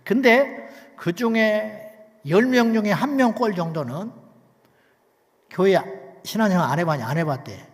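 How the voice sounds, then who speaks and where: Preaching unhurriedly and with long pauses, a man with a high-set, animated voice gives a sermon as a pastor. He swings between hushed tones and loud emphasis on key lines and asks rhetorical questions. A long reverb tail suggests a large church sanctuary.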